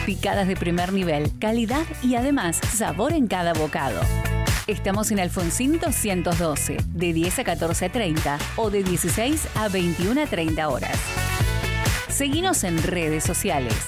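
A woman with an Argentine accent reading scripted radio commercials. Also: mid-range voice. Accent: Argentine Spanish. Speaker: commercial voice-over. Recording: radio ad with loud music bed.

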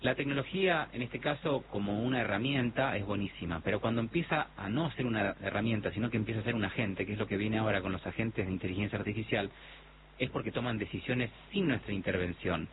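A man's voice: fairly low pitch, fast talker. A man from Argentina with a mild Argentine accent, a guest on a radio interview, explaining at length with many fillers and restarts. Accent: Argentine Spanish, mild. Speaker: technology guest. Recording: tinny phone-line sound with noise.

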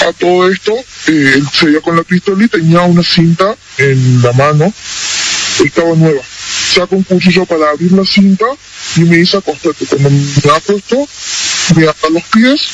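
Woman's voice distorted to hide identity. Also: lowish voice. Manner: recounting events step by step, quoting the attacker. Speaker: crime victim giving testimony. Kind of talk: recorded testimony played on air. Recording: hissy, distorted playback.

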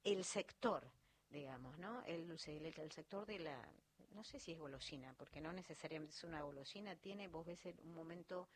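A woman's voice: sits low, normal speed, slight background noise. Chatty Argentine woman interviewer. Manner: chatty, lively questioning, reads from notes. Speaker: host.

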